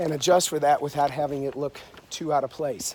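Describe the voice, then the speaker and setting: Noticeable background noise sits behind the talking. The pace is fairly quick, and pitch varies in an ordinary way. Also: man. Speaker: landscaping contractor. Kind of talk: project walkthrough.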